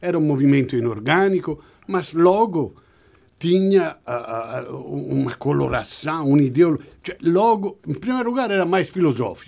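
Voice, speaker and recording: With an Italian accent, a man talks at a fairly slow pace, his fairly high pitch making very wide swings. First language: Italian (speaking Portuguese). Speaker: radio panelist. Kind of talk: radio panel discussion. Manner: halting.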